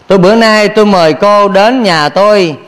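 A man's voice: high-pitched, normal speed, fairly bright tone, long reverb tail. A man, a Buddhist monk giving a playful dharma talk, questioning his audience and laughing often. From Vietnam.

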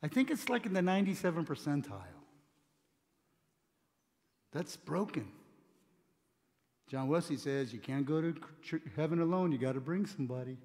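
A man's voice: fairly high pitch, expressive, moderate pace, long pauses, a little mellow. A middle-aged man preaching a sermon in a conversational, earnest way, often restarting his words, on a church stage. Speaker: pastor. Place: church stage with communion table. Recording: long hall reverb.

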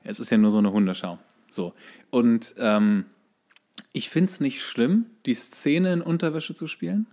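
A man's voice: medium pitch, measured pace, warm tone. Wry man telling stories casually. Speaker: podcast co-host. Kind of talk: casual chat, storytelling.

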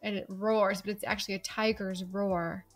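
A woman's voice: mid-range voice, flat delivery, moderate pace, soft background music. A woman hosting a podcast, curious and asking many questions. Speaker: podcast host. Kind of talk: casual podcast chat.

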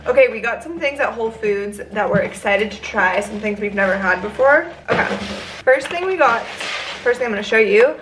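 A woman's voice: a little high, expressive, moderate pace, far from the mic, over music, rough recording. A woman in her twenties, chatting playfully and teasing as she shows off a grocery haul in her kitchen. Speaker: vlogger. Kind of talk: casual vlog chat. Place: home kitchen, indoors.

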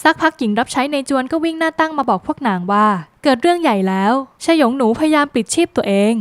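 Quick, high-voiced woman recapping a drama. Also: dry recording. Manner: brisk, lively storytelling with dramatic phrasing. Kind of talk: fast scripted plot recap narration.

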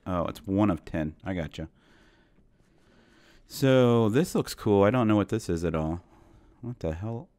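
A man's voice: fairly low pitch, expressive, unhurried, pauses often, darkish tone, no room sound. A man in his thirties, a bit sick and losing his voice, rambling casually to viewers while playing a Minecraft game. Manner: rambling, self-deprecating, talks to viewers. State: sick, voice going hoarse. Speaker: gaming channel host. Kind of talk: casual Minecraft let's play commentary.

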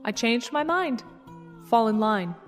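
A high-voiced villainess played by an actress in an audio drama, condescending and in command with polished, mocking courtesy. Her voice rings in a long reverb over faint music. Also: lively intonation, slow pace. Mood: smug, teasing.

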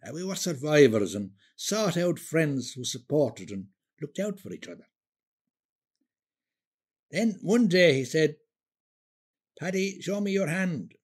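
An elderly Irishman with a husky voice and a lively, swinging delivery. He is a forgetful, wistful old builder who rambles conversationally through a radio play monologue. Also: fairly high pitch, measured pace, pauses often, heavily acted. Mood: reminiscing. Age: older. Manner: rambling, hesitant, conversational storytelling.

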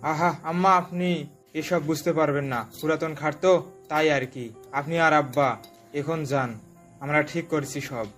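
A man's voice: a little high, steady tone, measured pace, a bit bright, soft background music. A man playing a young brother-in-law who keeps teasing and mocking the groom in an audio drama. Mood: soothing.

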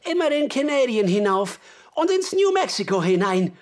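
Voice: mid-range voice, very animated, normal speed, natural voice. An actor playing a sly, jovial old male trapper in a radio drama, chuckling often and talking in a folksy, clipped way. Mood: hearty.

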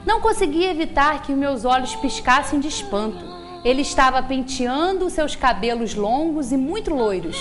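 A woman reading a story aloud in a measured way, seated at a table in a small meeting room. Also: sits high. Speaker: speaker at a spiritist center.

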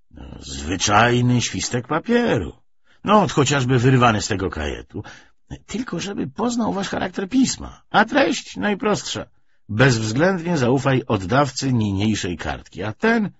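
A man's voice: mid-range voice, huge pitch swings, a little slow, husky, muffled recording, voice pushed up, full character voice. A man voicing an insistent man who casually coaxes, with small hesitations, in an audiobook. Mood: coaxing, casual. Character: insistent man casually pressing for a written note. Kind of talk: audiobook character dialogue.

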